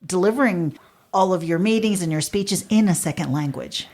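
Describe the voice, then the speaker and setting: Low-pitched woman podcast host. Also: moderate pace, darkish tone. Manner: brief, encouraging backchannels and questions. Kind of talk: interviewing a guest.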